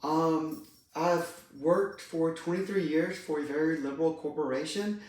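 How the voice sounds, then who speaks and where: Slow-talking middle-aged trans woman, very echoey. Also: sits low, a little mellow. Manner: halting, hesitant. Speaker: vlogger. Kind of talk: personal confessional vlog talk. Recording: very echoey room, distant mic.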